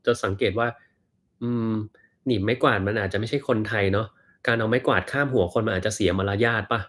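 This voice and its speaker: A man in his thirties, from Thailand, hosts a relaxed livestream and answers viewer questions one after another. His voice sits a little low. He talks in an easygoing, meandering way, thinking aloud with plenty of fillers. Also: fast. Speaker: doctor and livestream host. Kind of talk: casual livestream Q&A, reading viewer comments.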